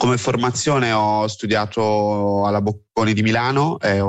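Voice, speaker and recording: With a plain, everyday voice, a man talks in a fairly low pitch with fairly even intonation over a quiet background. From Tuscany, near Florence. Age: 30s. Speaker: startup founder. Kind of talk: radio interview.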